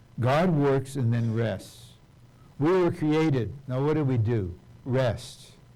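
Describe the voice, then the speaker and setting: A man talks at a fairly slow pace with a fairly high pitch and lively intonation. Audible room echo surrounds his voice. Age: 80s+. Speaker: church speaker. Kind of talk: sermon.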